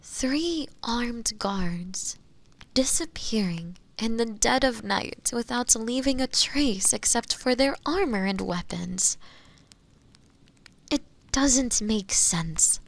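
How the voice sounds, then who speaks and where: A woman playing a meek, pleading witch prisoner in a fantasy audio drama, with halting, deferential, formal speech that often turns breathy. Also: on the high side, lively intonation, heavily acted. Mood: measured, questioning. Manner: halting, deferential, formal old-fashioned phrasing, often breathy and near-whispering. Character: meek, pleading imprisoned witch feigning frail innocence. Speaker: voice actor in an audio roleplay. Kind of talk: fantasy roleplay audio drama acting, addressing the listener.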